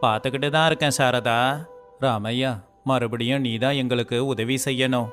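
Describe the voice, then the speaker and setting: A man's voice: mid-range voice, steady tone, normal speed, a bit bright. A man voicing several village men in turn in a storybook dialogue. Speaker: voice actor for story characters. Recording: faint music behind.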